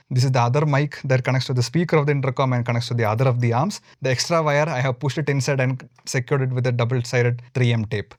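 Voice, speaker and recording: A man's voice: mid-range voice, no echo. Indian man explaining gear, dry close sound. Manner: repeats and rephrases points. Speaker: moto vlogger. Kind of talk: informal product tutorial, explaining step by step.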